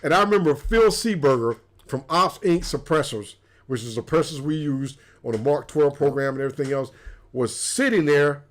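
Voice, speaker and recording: A man's voice: on the high side, normal speed. A man, co-hosting a casual livestream and telling stories with lots of repeated words. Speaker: co-host. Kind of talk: casual storytelling chat.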